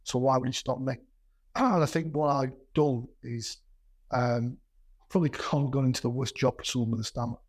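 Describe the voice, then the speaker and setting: A man's voice: mid-range voice, steady tone, moderate pace, darkish tone, no echo, clean studio sound. A middle-aged man with a stammer that makes him repeat sounds and words, speaking in a plain-spoken, conversational interview style as a business executive. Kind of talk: reflective conversational interview with anecdotes.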